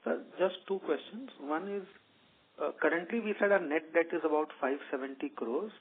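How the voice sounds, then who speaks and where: A man's voice: fairly high pitch, moderate pace, husky. A man politely putting questions as an investor on a conference call. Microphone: phone conference call. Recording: tinny narrowband phone line.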